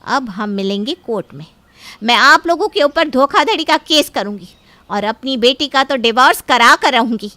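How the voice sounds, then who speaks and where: A woman with a high, bright voice speaks sternly and forcefully. The close, dry recording keeps every word sharp. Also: animated, normal speed, no room sound. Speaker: voice actor in an audio story. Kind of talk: dramatic storytelling dialogue.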